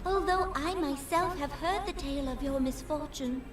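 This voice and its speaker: A woman's voice: sits high, moderate pace, close to an everyday voice. A woman voicing a tiny, gracious young sultana in a fantasy game, speaking in a regal, formal way.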